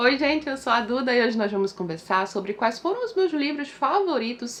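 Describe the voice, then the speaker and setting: A woman speaks with a high pitch. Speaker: book youtuber. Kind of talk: casual vlog chat. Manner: fast; calmer than before.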